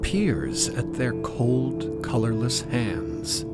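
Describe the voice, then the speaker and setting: A man's voice: medium pitch, very animated, drawn-out words, over loud music. A man reading scripted narration for an audio drama as its narrator.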